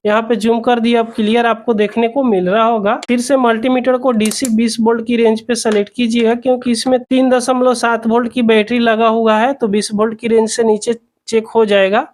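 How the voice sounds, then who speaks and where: A person explaining a repair step by step in an instructional, repetitive way, as the host of a tutorial. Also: medium pitch.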